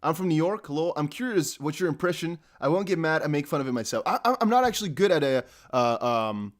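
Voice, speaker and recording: Young man, from the Netherlands, casual livestream chat, rambling, slightly high voice. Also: animated, fast talker. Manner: rambling, laughs often, many fillers. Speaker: crypto livestream host. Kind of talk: casual live stream chat.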